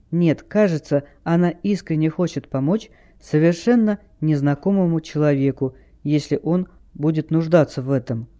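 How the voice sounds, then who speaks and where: A man narrating an audiobook in an even storytelling manner. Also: on the high side. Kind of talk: scripted narration.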